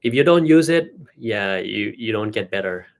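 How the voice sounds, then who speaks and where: Man, low voice, Thai accent, doctor host, casual explanatory chat. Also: animated, moderate pace, gravelly. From Thailand. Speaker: doctor and live-stream host.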